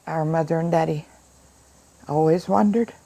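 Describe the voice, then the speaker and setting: A woman's voice: sits low, moderate pace, gravelly, mellow, poor audio. An American woman in her seventies recalling family memories in an interview. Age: 70s. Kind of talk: recollection in news interview.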